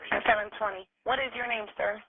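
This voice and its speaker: A woman's voice: medium pitch, steady tone, brisk. A woman working as an emergency dispatcher, asking questions and giving procedural instructions over a tinny phone line. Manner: procedural, directive.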